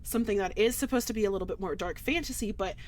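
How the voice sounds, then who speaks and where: A woman's voice: mid-range voice, quick pace, a little mellow. A woman streamer giving rambling, enthusiastic commentary on a game, full of fillers and trailing sentences.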